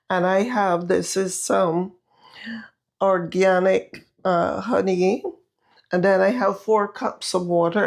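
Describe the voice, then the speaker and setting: A woman with a Barbadian accent talks viewers through a recipe in her home kitchen, chatty and unhurried. Her voice is naturally husky and sits fairly low, with a gravelly fry, and a sore throat makes it raspier still. She speaks at a very slow pace. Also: a little mellow. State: raspy, irritated throat. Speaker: home cooking vlogger. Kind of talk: casual recipe vlog.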